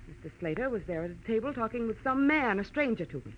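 Woman playing haughty American widow, high swooping voice, guarded, dramatic, vintage radio drama, dull noisy recording. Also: lively intonation, quick pace, close to an everyday voice. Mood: indignant, defensive. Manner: haughty, dramatic, indignant formality. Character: cool, defensive female widow in detective melodrama. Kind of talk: 1940s radio drama acting.

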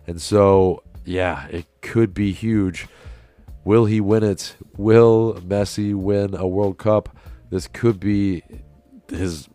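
A young man, hoarse from a sore throat, hosting a casual solo sports podcast with lots of fillers and restarts. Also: lowish voice, fairly even intonation, slow, warm tone, no echo, faint music behind. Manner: rambling, many fillers and restarts. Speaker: podcast host.

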